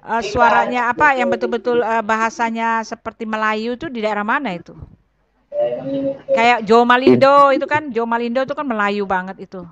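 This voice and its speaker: A woman hosting a casual video call, talking in a chatty, animated way and repeating herself. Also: a little high, fairly quick. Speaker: host. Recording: muffled lo-fi with crowd noise.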